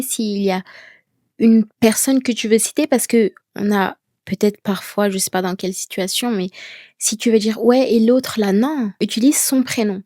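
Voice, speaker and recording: A woman vlogger talking to camera, giving speaking tips slowly and deliberately, with pauses she lets stand. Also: medium pitch, warm tone, no echo, clean studio sound. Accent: an accent of her own that people ask about. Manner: slow, deliberate, with chosen pauses. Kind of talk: casual talking-head advice. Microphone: camera mic, speaking to camera.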